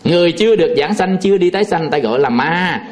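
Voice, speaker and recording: A man's voice: sits high, lively intonation, very fast. A man, a Buddhist monk telling a folksy, chuckling story in a sermon, full of fillers.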